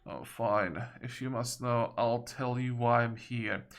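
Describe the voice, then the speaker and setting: A man's voice: mid-range voice, steady tone, slow. A man reading the lines of a grumpy, dismissive female witch in a video game, in a curt, grumbling way. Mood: annoyed.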